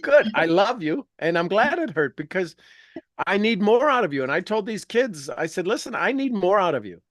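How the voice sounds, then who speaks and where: A man's voice: high voice, big pitch swings, normal speed, dry recording, clean studio sound. A man hosting an informal motivational group coaching talk, emphatic and fond of repeating phrases for effect. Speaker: host and coach leading a group call.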